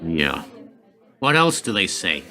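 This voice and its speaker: An actor playing a hawkish, calculating senior White House aide in a radio play, speaking with deliberate authority. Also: male voice, low-pitched, very animated, sharp tone, heavily acted. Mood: guarded, pragmatic.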